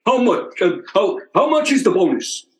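A man acts an indignant, sarcastic working-class pal in an old-time radio comedy. His high voice swoops with blunt, ungrammatical jabs, in an echoing room. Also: big pitch swings, normal speed. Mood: excited, impatient.

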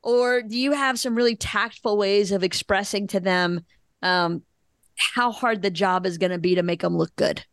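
A woman's voice: medium pitch, normal speed, dry recording, clean studio sound. A woman co-hosting a podcast, asking wry, direct questions. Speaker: podcast co-host. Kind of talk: podcast interview.

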